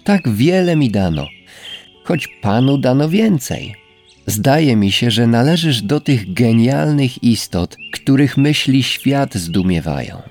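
A man voicing a gentle, humble female rose in a storybook reading, speaking softly and tenderly, in a voice raised well above his own. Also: mid-range voice, big pitch swings, slow, voice pushed up. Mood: earnest. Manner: soft, wondering, tender. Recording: faint background music.

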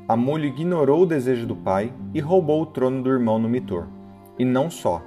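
A man narrates a legend from a script in a mid-pitched, steady voice. His delivery is even and measured, in the manner of a storyteller. Soft plucked guitar plays faintly behind him. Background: soft guitar music.

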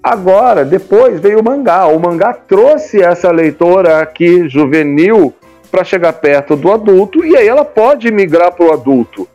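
Higher-pitched Brazilian man in his fifties, lo-fi. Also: lively intonation, measured pace, darkish tone, soft background music. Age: 50s. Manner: talkative, colloquial, often seeks agreement with tag questions. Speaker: guest, comics publisher. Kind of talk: casual conversational interview talk.

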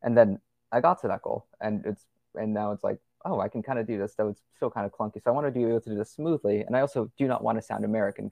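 A young man appears as a podcast guest in a casual conversational interview, rambling along with plenty of fillers and restarts. His voice is fairly low, gravelly, and a little mellow, with no room sound.

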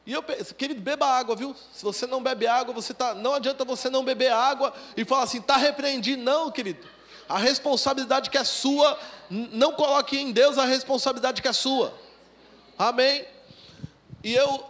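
High-voiced man preaching a testimony. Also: fairly bright tone. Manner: conversational storytelling, acting out dialogue. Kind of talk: sermon testimony. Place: church service.

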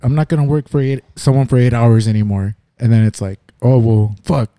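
A man's voice: medium pitch, steady tone, a little fast, warm tone, smooth, no room sound, studio quality. A man in a casual chat, talking in a laid-back, agreeing way with lots of "you know".

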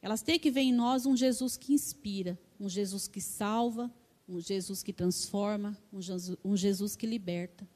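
Her voice is medium in pitch and a little mellow, and she keeps a moderate pace. She is a middle-aged woman with a Brazilian Portuguese accent preaching a sermon of fervent personal testimony, regularly closing sentences with "né".

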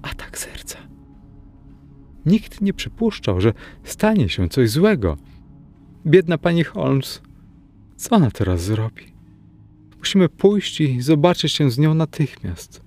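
A man voicing a young woman who runs an antique shop, her voice raised and lively as she reacts to strange and sad news. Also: on the high side, a little slow, faint music behind, pitched above the performer's own voice, heavily acted. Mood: grieving. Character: young woman, shop-owning sister, upset.

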